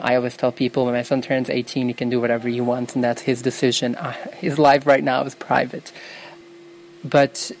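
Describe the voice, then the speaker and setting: A woman's voice: a bass voice, a little mellow, a little hiss or hum. A young woman from New York, a native Yiddish speaker, answering interview questions in an earnest, self-correcting way. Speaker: interview guest.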